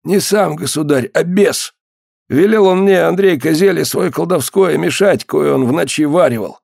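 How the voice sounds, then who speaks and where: A man voicing a hoarse one-eyed peasant who pleads and accuses in an audiobook. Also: a little high, moderate pace, darkish tone, no echo, clean studio sound, voice pushed up. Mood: fearful.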